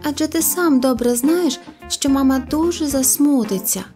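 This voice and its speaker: A woman's voice: sits high, moderate pace, dark tone, soft background music, pitched above the performer's own voice, natural voice. A woman voicing a prim little girl kitten in an audio storybook, pleading and indignant. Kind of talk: storybook character voice.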